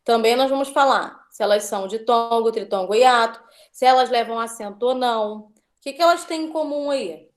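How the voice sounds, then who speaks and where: A woman's voice: on the high side, normal speed, few pauses. A woman teacher giving an online class, patiently drawing out words as she drills syllables.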